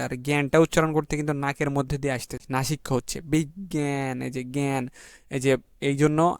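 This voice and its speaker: A man from Bangladesh teaching an exam revision lesson, spelling words out slowly letter by letter and drawing out the key words. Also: medium pitch, clear, resonant tone, no room sound, clean studio sound.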